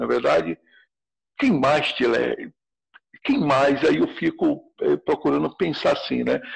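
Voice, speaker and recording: Taking long, frequent pauses, a man speaks very slowly. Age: 60s. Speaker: football club president. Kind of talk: casual interview.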